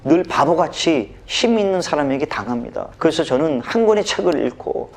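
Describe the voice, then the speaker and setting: Animated, high-pitched male storyteller. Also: moderate pace, vocal fry. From Busan, South Korea. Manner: dramatic, expressive storyteller. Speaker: motivational speech coach.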